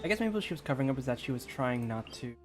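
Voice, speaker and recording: A man's voice: mid-range voice, big pitch swings, racing. A man giving informal let's-play commentary, thinking aloud casually over game music. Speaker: video game streamer.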